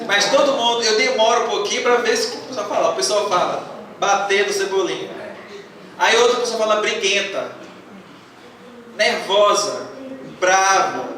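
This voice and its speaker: Captured from far off in an echoey hall with faint noise and crowd sounds, this high-voiced man speaks at a moderate pace. He's a spiritist lecturer giving a religious lecture to a live audience, teasing them with playful questions.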